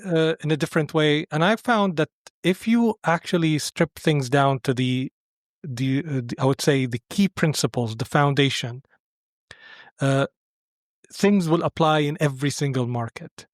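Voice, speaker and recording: A man's voice: a little high, normal speed, no echo, clean studio sound. A man from Syria speaking as a podcast guest, explaining his thinking in a conversational interview.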